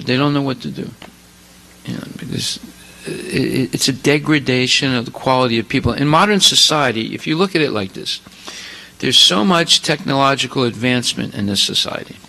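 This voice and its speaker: A man's voice: medium pitch, creaky, sharp tone, poor audio. A man giving a scripture lecture, emphatic and full of rhetorical questions.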